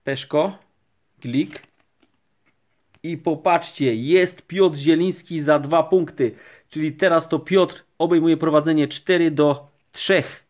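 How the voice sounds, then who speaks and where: Slow, calm man opening card packs. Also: on the high side. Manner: calm, unhurried, naming each card. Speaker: card collecting vlogger. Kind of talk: casual pack-opening commentary. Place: indoors at a table, camera overhead on hands.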